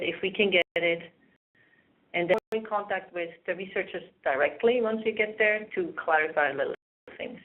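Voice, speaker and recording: A woman from the IT side introducing herself casually at a webinar in a meeting room. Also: mid-range voice. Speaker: IT data analyst. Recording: tinny phone-like webinar audio.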